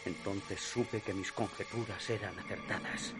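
Slightly low-voiced, hushed storytelling from a haunted man in his thirties, as an actor plays him, recalling a nightmare in a radio drama. His measured delivery sinks almost to a whisper on the grim details. Clear music plays behind him throughout. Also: fairly even intonation, lightly acted. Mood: uneasy. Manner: measured, hushed storytelling that drops to a near whisper at dark moments. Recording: narration over music.

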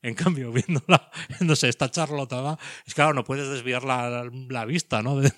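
A man from Spain in a casual podcast chat, animated and swearing, laughing often. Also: mid-range voice, normal speed, dry recording, studio quality. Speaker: podcast co-host.

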